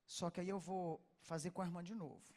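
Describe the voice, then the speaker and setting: A Brazilian woman preacher telling a personal story in a sermon, acting out the dialogue and swinging from hushed to loud. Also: on the low side, steady tone, fairly quick, slight background noise. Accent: Brazilian Portuguese.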